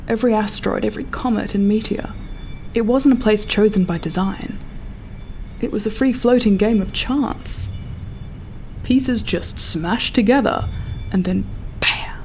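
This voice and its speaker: Female, actor as self-assured perfectionist spaceship designer, lofty audio-drama monologue, medium pitch. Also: darkish tone, lightly acted. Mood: musing, wonder. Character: proud, dreamy, perfectionist artist designing a spaceship.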